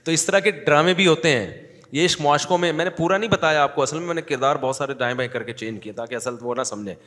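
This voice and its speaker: Man preaching in an echoing hall. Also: fairly high pitch. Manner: animated, acts out the people in his stories. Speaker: cleric giving a talk. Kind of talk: storytelling sermon.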